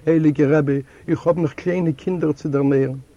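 A man's voice: a little high, steady tone, moderate pace, dark tone, highs cut off. A man reading aloud, voicing a frail, dying old man who pleads and stammers before the rebbe. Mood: pleading.

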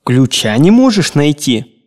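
A fussy old gentleman, a tyrant and hypochondriac, as a male audiobook reader puts him on, nagging and scolding in a raised, lively voice that swoops up in outrage. His manner is theatrical and bullying. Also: on the high side, unhurried. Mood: interrogating. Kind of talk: audiobook character reading.

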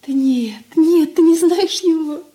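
A woman's voice: extremely high pitch, takes it slowly, dark tone. An actress playing a naive, tender young sister in a radio drama, speaking eagerly and girlishly. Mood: earnest. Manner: eager, breathless girlish delivery. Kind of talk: 1980s studio radio drama acting.

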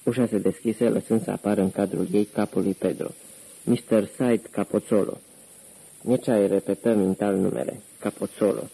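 A man narrating an audiobook in steady, even scripted storytelling. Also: on the low side, vocal fry, few pauses, husky, low-quality recording.

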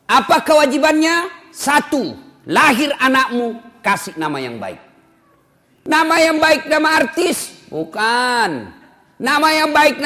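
A man in middle age delivers a sermon with lots of humor, addressing his listeners directly. His voice sits fairly high and swings widely in pitch. He has an animated, lively delivery. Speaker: preacher.

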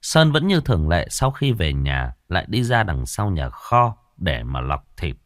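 A man narrating a horror story in a dramatic, expressive storytelling style. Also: deep voice, a little slow, no echo, clean studio sound. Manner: expressive, swinging dramatic delivery.

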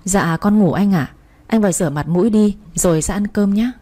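A woman's voice: mid-range voice, a little fast, dark tone, close to an everyday voice. A woman voicing a short-tempered mother who scolds her daughter and turns timid before her husband. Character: harsh, short-tempered mother of two girls.

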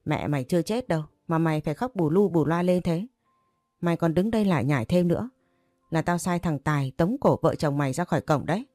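A woman's voice: low voice, animated, brisk, dark tone, dry recording, clean studio sound, faint music behind. A woman voicing an irritable old patriarch who scolds and commands his household, in a storybook reading. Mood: angry.

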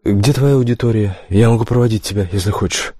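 A male audiobook reader voicing a teasing, confident teenage schoolgirl in his own low voice. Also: fast talker, warm tone, no room sound, clean studio sound, lightly acted.

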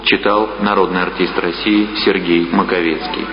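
A man's voice: low voice, steady tone, moderate pace, a little hiss or hum. A man making a formal scripted announcement as a radio announcer. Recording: dull radio recording, long reverb, music.

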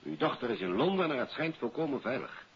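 An actor playing an obliging, polite, rather deliberate official in a 1950s radio drama. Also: male voice, medium pitch, very animated, close to an everyday voice. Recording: muffled radio recording with hiss.

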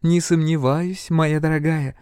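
A male reader voicing a shrewd older dowager duchess, gracious and gently commanding. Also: on the high side, fairly even intonation, a little slow, smooth, dry recording, clean studio sound, pitched above the performer's own voice, close to an everyday voice. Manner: warm, grand, gently commanding.

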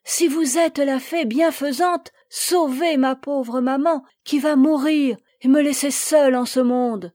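A desperate seven-year-old boy begs through sobs in a storybook tale, as a woman reader puts him on. The voice sits high and pushes out loud and urgent, recorded close and dry. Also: a little slow, dry recording, lightly acted. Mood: pleading. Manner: pleading, sobbing.

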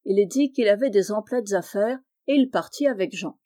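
A woman reading a classic novel aloud, narrating steadily and clearly. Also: mid-range voice, lively intonation, normal speed, warm tone. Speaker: audiobook reader.

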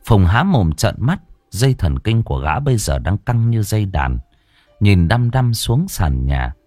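A man's voice: on the low side, sing-song, measured pace, a little mellow, no echo, faint music behind. A man narrating a ghost story in a dramatic, suspenseful way.

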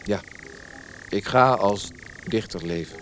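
Earnest young poet. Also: male voice, fairly low pitch, slow, a little hiss or hum. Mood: earnest, resigned. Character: earnest, self-deprecating young male poet. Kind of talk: Dutch radio play acting.

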